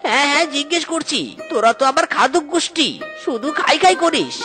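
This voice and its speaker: Young duck son, comedy cartoon: bright, forceful, whiny, stingy, panicky. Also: sits high, expressive, a little fast, faint music behind. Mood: whiny, alarmed. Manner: whining exclamations, repeated catchphrase. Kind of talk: Bengali comedy cartoon dialogue.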